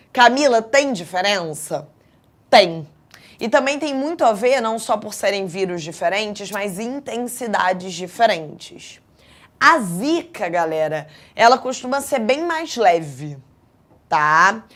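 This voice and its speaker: A Brazilian woman teaching an exam prep class in a chatty, lively way, often checking in with her students. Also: on the high side. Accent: Brazilian Portuguese.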